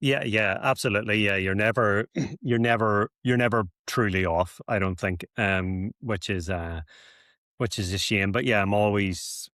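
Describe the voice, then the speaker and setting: A man's voice: on the low side, moderate pace, a bit bright, no room sound, studio quality. A man, chatting as a coaching client, hesitant with many ums and restarts. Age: 30s. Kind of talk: casual chat on a call.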